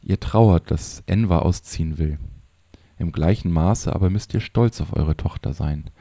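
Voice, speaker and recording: A man voicing a wise older sage in an audiobook, who speaks softly and with understanding. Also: low voice, unhurried, vocal fry, no echo, exaggerated voice. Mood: gentle. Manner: soft, understanding.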